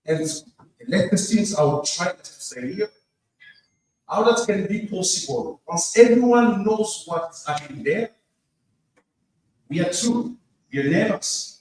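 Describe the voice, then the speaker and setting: Man, Congolese French accent, halting English, impassioned audience speech, distant mic, faint background noise. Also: sits high, lively intonation, heavy reverb. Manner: halting, non-fluent English with repetition for emphasis. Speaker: audience member at a conference. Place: large indoor conference room.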